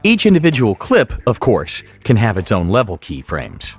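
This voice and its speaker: A man narrating a scripted software tutorial as an instructor, in a measured, explanatory way. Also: lowish voice, wildly swooping pitch, breathy edge, faint music behind.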